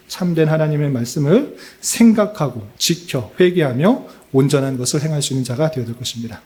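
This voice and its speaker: A male pastor preaching a Bible exposition at a church prayer meeting. He puts questions to the congregation, answers them himself, and fills his pauses with short "ye" and "e" sounds. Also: mid-range voice, mellow.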